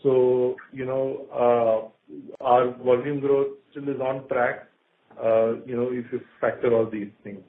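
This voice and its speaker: A man's voice: mid-range voice, level tone, slow pace. An Indian man, a company finance executive, giving unscripted clarifications to investors on an earnings call with some emphasis. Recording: thin, noisy conference phone line.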